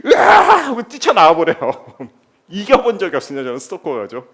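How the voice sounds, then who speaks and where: A middle-aged man, a philosophy teacher, giving a lively lecture to a studio audience and often putting rhetorical questions to them. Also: a little high, brisk. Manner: animated, keeps asking the audience rhetorical questions.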